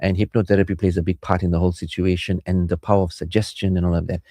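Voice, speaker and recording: A man's voice: deep voice, level tone, very fast, warm tone, dry recording, clean studio sound. A man with a South African Indian accent chatting casually as a radio host and counsellor, playful and rambling. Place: radio studio.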